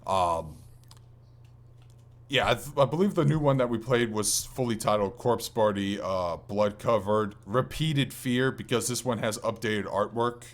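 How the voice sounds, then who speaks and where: A man's voice: lowish voice, a little slow. A man co-hosting a casual gaming podcast, talking enthusiastically in loose, slangy language with some mild swearing. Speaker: podcast co-host.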